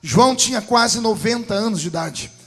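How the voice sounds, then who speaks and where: A pastor preaching a dramatic sermon in Brazilian Portuguese, telling a story that swells into shouting. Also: male voice, sits high, animated, normal speed.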